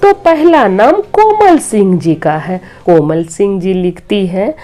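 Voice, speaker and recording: A middle-aged woman, slightly hoarse, earnestly telling a devotional story and giving moral advice as host of her channel. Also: medium pitch, expressive, takes it slowly. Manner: earnest, preachy, gently advising.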